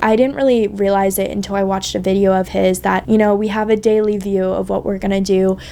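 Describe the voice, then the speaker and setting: A woman at a medium pitch talks at a very fast pace with hardly any pauses. Her intonation is monotone and flat, with noticeable background noise. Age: 20s. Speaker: lifestyle YouTuber. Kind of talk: self-improvement advice talk to camera.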